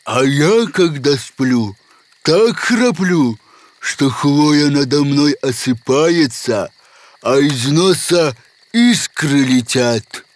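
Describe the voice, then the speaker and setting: Very slow-talking menacing forest monster. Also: male voice, on the high side, expressive, a little hiss or hum. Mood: sly, boastful. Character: fierce, sly, man-eating male forest spirit monster. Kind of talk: animated folk-tale character acting. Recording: music behind the voice.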